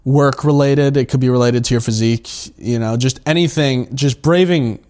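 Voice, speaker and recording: A man's voice: medium pitch, normal speed, darkish tone. A man co-hosting a podcast, speaking earnestly in casual conversation and thinking aloud with "uh" and "like". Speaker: podcast co-host.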